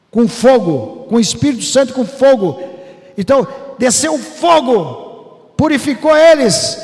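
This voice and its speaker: A man preaching a fervent Pentecostal sermon, breaking into shouts and sing-song phrases. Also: very high-pitched, gravelly, long reverb tail. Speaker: pastor. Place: church hall.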